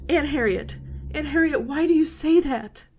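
Woman acting a very high-pitched hysterical college girl. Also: moderate pace, a little mellow. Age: young adult. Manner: pleading, tearful, stammering. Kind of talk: radio horror drama acting.

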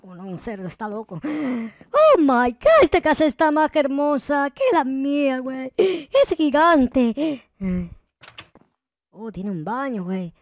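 A man voicing an excitable, mischievous, foul-mouthed young Minecraft noob, exclaiming and muttering to himself as he plays. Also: very high-pitched, slow pace, no room sound, full character voice. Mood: suspicious, indignant. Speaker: gaming video host. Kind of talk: roleplay gameplay commentary.

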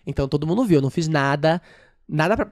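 Fast-talking trans woman telling a story. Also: deep voice. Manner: fast, animated retelling that acts out others' quoted speech. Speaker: podcast guest, dancer. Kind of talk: casual storytelling interview. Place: podcast studio.

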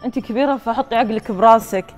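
A woman's voice: on the high side, rapid-fire, over music. A young woman, a guest on a TV cooking show, snapping back indignantly and mixing in English words. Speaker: prank victim guest. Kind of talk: heated argument. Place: TV cooking studio set.

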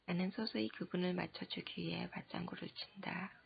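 A woman narrating an audiobook in a soft half-whisper. Her low voice is very husky and heavily gravelly. The lo-fi recording sounds dull and muffled. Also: steady tone, a little fast.

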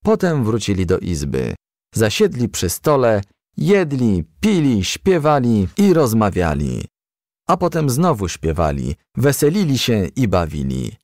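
A man reading a children's story aloud as a scripted narration, in an expressive, measured storytelling manner. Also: fairly low pitch, dry recording, studio quality. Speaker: audiobook reader.

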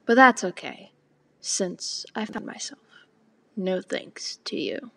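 Teen girl for spoken word, husky with a gravelly edge, slow and deliberate delivery. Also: mid-range voice, animated. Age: teens. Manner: slow and deliberate, partly whispered.

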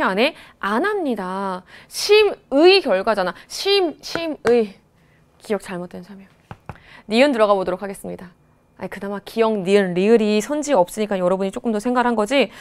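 A woman teacher in her thirties giving an exam explanation lecture, chatty and animated, often mimicking her students. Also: fairly high pitch. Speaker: high school teacher. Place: studio.

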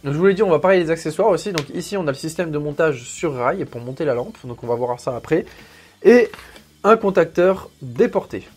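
A man's voice: on the high side, expressive, brisk, darkish tone, breathy edge, soft background music. A man hosting a sponsored unboxing video, talking in a chatty, joking way and explaining each step, with frequent fillers. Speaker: channel host reviewing gear. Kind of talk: sponsored product unboxing vlog.

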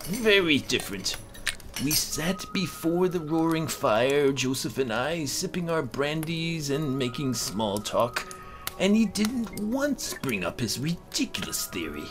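A man's voice: on the high side, big pitch swings, measured pace. A man giving a theatrical, emphatic dramatic reading of a horror comic story. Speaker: amateur narrator. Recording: voice over background music.

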